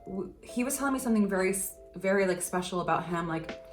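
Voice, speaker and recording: A woman's voice: medium pitch, lively intonation, fast talker, far from the mic. A young woman hosting her channel, chatting casually about how she met her partner, with lots of fillers and laughter. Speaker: channel host. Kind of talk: casual couple chat. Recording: roomy echo, faint music.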